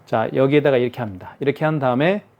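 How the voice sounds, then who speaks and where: A man's voice: medium pitch, quick pace, highs cut off, a little hiss or hum. A man giving a hands-on product tutorial, explaining each step patiently and repeating himself for clarity. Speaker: product demonstrator.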